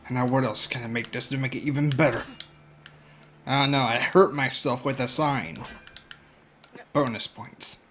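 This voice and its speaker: A man's voice: medium pitch, moderate pace, long pauses, sharp tone, soft background music. Laid-back male game streamer. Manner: laid-back, brief replies and asides. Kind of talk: casual live-stream chat.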